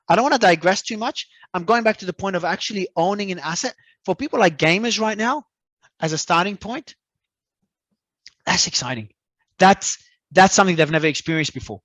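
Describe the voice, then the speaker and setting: A man from Australia, a guest talking in an animated, emphatic way and often repeating words as he restarts. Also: high-pitched, dry recording. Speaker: crypto entrepreneur guest. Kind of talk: casual interview talk.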